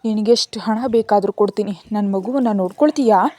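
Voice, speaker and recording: A guarded, commanding young father, as a woman storyteller reads him. The voice is curt and bossy, low in tone with a mellow, dark colour. It sounds dry and close, as in a storybook reading. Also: fast talker, no echo, natural voice. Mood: pleading.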